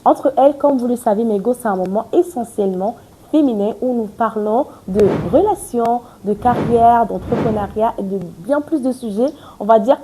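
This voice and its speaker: A woman's voice: a little high, background noise. A woman hosting a podcast, chatty and effusive, with many fillers and restarts. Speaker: podcast host. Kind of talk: casual interview chat.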